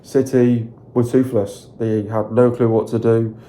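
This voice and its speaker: A man with a croaky, sore voice, talking at length about his team's win in a loose, repetitive, excited way on his video channel. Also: mid-range voice, unhurried, a little hiss or hum. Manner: repetitive, filler-heavy, excited rambling. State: hoarse, sore throat. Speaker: football fan channel host. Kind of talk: casual solo video commentary.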